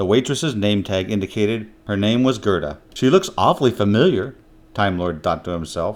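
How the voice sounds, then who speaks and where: An ordinary speaking voice with ordinary pitch variation talks at a moderate pace. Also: man, fairly low pitch for a man. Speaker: audiobook narrator. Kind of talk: story narration.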